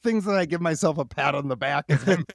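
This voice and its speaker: A man hosting a casual interview podcast, informal and halting as he thinks aloud. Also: fairly high pitch, gravelly, no echo, studio quality. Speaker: podcast host.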